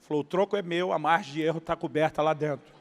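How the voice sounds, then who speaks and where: A man from Brazil preaching a sermon as a pastor, telling a story with lively acted-out dialogue. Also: on the high side, fast, creaky. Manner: animated storyteller, acting out dialogue, laughing at punchlines. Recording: long hall reverb.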